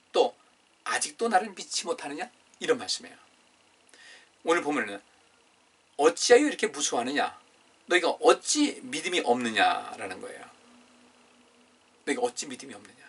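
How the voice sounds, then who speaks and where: Pastor guy giving a friday prayer sermon, bright husky voice, mic kinda far off in the church. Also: medium pitch, big pitch swings, normal speed, pauses often. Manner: conversational preaching, asks the congregation questions; reads scripture aloud. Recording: distant, room-miked sermon recording.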